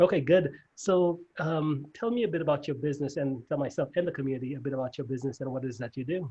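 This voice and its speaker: Somewhat breathy and fairly high in pitch, a man talks at a very fast pace with hardly any pauses and ordinary pitch variation. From Saint Lucia. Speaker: podcast host. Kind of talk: interview.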